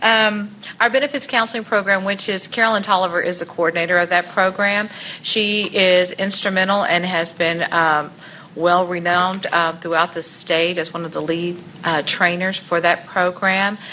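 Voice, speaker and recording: Over noticeable background noise, a woman speaks at a moderate pace and medium pitch with fairly even intonation. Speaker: social services agency staffer. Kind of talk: public presentation. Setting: town hall meeting with audience. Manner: loud, projecting.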